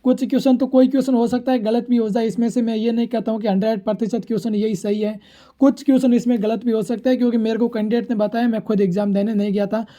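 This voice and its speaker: A man's voice: very high-pitched, little pitch movement, quick pace, dark tone. A man teaching exam prep, going informally through questions and answers in a repetitive, formulaic way.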